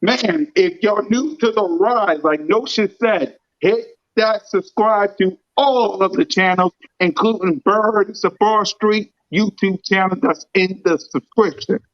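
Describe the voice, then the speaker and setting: Man, sports podcast host, hype fan energy, hoarse scratchy voice, high and slow. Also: no echo, lo-fi sound. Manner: excited, hype fan talk. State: scratchy voice from screaming. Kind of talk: casual sports podcast chat.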